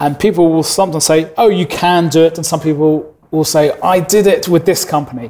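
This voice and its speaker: A man with an English accent speaks at a fairly quick pace and fairly high pitch, using fairly even intonation and hardly any pauses. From England. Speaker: insurance agent. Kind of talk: interview. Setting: studio.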